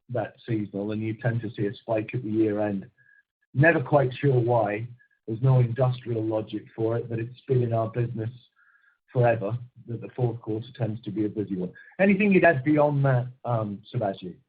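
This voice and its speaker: Male senior executive, reflective and measured, slightly rough mid-range voice, thin telephone sound. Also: mid-range voice. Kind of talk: unscripted answer to an analyst. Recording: muffled, narrow phone-line audio.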